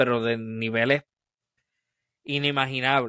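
Speaking at a fairly slow pace, a man with a Puerto Rican accent keeps his intonation fairly even. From Puerto Rico, Coamo. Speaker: podcast host. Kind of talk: interview.

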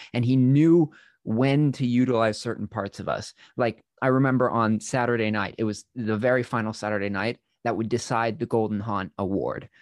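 In a dry, close recording with no echo and a quiet background, a man with a plain, everyday voice speaks at medium pitch, at a moderate pace, with fairly even intonation. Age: 20s. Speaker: scare actor. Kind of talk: casual chat.

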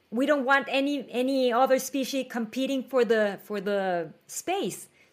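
This woman has a high pitch and speaks with a Spanish accent at a fairly slow pace. Her pitch varies an ordinary amount, and the recording is very clean with a silent background. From Mexico City. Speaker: health coach and author. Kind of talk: interview.

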